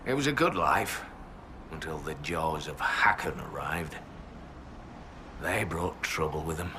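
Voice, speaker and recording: An actor playing a proud, wary tribal warrior in a fantasy video game, speaking in terse, formal, archaic phrases. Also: male voice, very deep voice, animated, measured pace, background noise. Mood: wary, blunt. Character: proud, wary male hill-tribe warrior, plain-spoken and superstitious.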